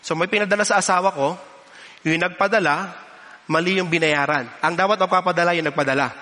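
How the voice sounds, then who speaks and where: A man's voice: high voice, fast talker, sharp tone, in a large hall. A male pastor giving a sermon, telling personal stories and acting out quoted voices, switching between English and Filipino.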